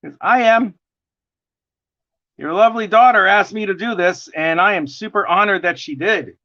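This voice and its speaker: A man with a New York accent and a gravelly voice talks casually as he works on a drawing. His voice sits slightly high with a bright, forceful edge, and he rambles and chuckles through the chat. The stream audio is dull and lo-fi. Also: moderate pace. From United States. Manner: chatty, rambling, chuckling often. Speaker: artist livestreaming a drawing session.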